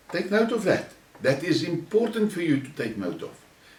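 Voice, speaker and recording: In a South African accent, a man speaks with audible room echo. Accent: Afrikaans South African English. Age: 70s. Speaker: political commentator vlogger. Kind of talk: opinion rant monologue. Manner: heated, emphatic.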